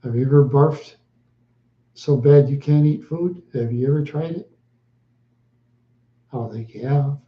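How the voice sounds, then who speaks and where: A man chatting slowly with viewers on a live stream, answering in short, halting phrases and often repeating himself. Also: medium pitch, reverberant, dull audio. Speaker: livestreamer.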